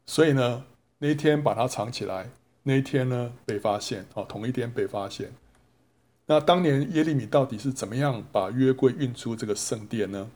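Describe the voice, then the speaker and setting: A man's voice: mid-range voice, darkish tone. Man preaching with rhetorical questions. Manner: asks rhetorical questions and answers them himself; drawn-out sentence-final particles. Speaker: Bible teacher. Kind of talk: storytelling sermon.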